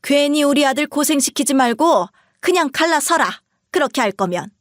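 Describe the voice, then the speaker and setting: A woman voicing a shrill, contemptuous older mother-in-law who berates her daughter-in-law in a piercing, shouting tone. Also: expressive, normal speed, no echo, studio quality. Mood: furious scolding.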